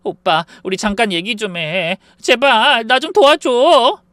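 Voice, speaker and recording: A man's voice: extremely high pitch, expressive, moderate pace, bright, forceful tone, smooth, dry recording, clean studio sound, pitched above the performer's own voice, heavily acted. A man voicing a spiteful young sister-in-law who shrieks and begs by turns. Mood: sobbing pleas.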